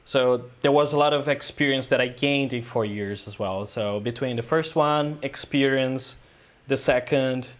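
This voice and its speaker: Man, guest filmmaker, casual interview, rambling storytelling, mid pitch. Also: unhurried, hardly any pauses. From Brazil. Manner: loose, rambling storytelling with frequent "uh" and "um".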